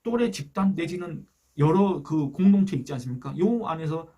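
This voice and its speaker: A man's voice: on the high side, lively intonation, normal speed, dark tone, highs cut off. A man giving a solo political commentary, earnestly asking rhetorical questions and reading out online comments.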